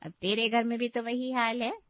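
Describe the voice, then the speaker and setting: A woman's voice: a little high, little pitch movement, moderate pace, no room sound, dull audio, close to an everyday voice. A woman voicing a mocking older female neighbor in a cartoon story. She teases and cackles at her rival. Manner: teasing, cackling laughter. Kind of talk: Hindi cartoon story voice acting.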